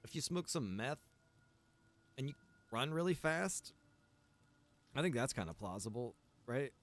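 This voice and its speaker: A man chatting casually while streaming a survival game, rambling in a relaxed way to his viewers. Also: medium pitch, unhurried. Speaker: streamer and server owner. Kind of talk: casual gaming stream chat.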